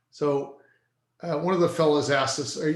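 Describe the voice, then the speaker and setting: Audible room echo surrounds a man with a Texan accent who speaks at a fairly quick pace and fairly high pitch. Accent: Texan American English. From Texas. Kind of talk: interview storytelling.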